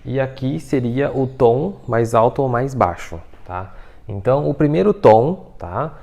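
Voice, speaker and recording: Gravelly man teaching. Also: mid-range voice, lively intonation, unhurried, dark tone. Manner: explains patiently, many fillers like "tá?" and "né?". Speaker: Mandarin teacher. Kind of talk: casual video lesson.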